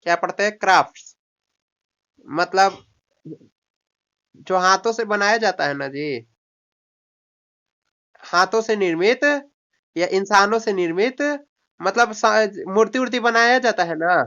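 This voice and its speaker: Taking long pauses and moving a little slowly, a man with a high, pushed, bright voice teaches English vocabulary in Hindi. He coaxes the student one moment and scolds the next, repeating words as drills, in a dull lo-fi recording.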